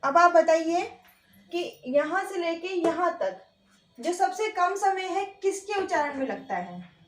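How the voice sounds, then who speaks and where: A woman with a high voice teaches a grammar class in a roomy, echoing space. She puts questions to her students and answers them herself, going over each point again with patience. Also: lively intonation, unhurried. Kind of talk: online Hindi grammar lesson.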